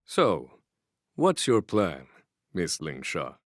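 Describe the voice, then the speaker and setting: An actor playing a calm, authoritative general in a video game, with a measured, assured and courteous delivery. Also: male voice, low voice, no room sound, studio quality, heavily acted. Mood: probing. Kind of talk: video game story dialogue.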